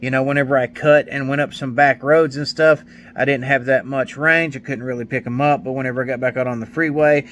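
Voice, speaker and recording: Folksy guy doing a casual product review, regular pitched voice, noticeable noise behind him. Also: steady tone, a little fast, a bit bright. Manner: folksy, plainspoken, colloquial grammar. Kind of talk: hands-on gadget review, casual chat.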